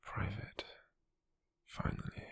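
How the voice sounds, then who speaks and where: A British man playing a possessive, calculating, smug slave merchant in a hushed ASMR roleplay, with a husky, breathy, gravelly voice and a slow, deliberate delivery. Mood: intrigued, approving. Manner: slow, deliberate, with lingering pauses.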